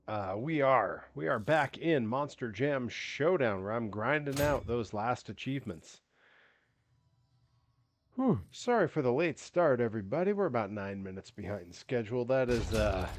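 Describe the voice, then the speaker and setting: A man's voice: lowish voice, dry recording. A man streaming a video game, chatting casually and rambling, congested from allergies so he sounds like he has a cold. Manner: rambling, with many restarts and fillers. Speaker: gaming streamer. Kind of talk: casual live-stream chat.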